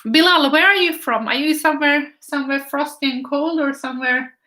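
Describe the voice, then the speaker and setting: A woman's voice: high-pitched, fairly quick, sharp tone. A woman, teaching a casual live painting class, thinking aloud in short phrases as she works and chatting with viewers. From Finland. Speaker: art teacher.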